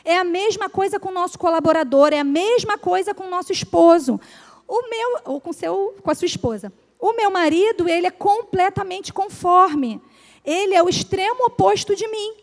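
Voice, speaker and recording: High-voiced Brazilian woman giving a lively talk. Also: moderate pace. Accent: Brazilian Portuguese. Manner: lively, asks the audience questions, acts out examples. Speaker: speaker at a business breakfast talk. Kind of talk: motivational business talk. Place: event room with audience. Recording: live hall with long reverb.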